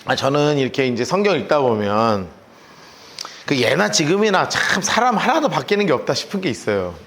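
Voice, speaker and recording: Male pastor, sermon, animated storyteller, high voice, lively swings in pitch. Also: normal speed. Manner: animated storytelling, acts out characters.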